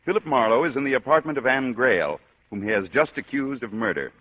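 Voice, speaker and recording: A man's voice: medium pitch, lively intonation, fairly quick, over loud music. Formal old-time radio show announcer man. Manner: formal, declaiming. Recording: dull lo-fi old radio broadcast.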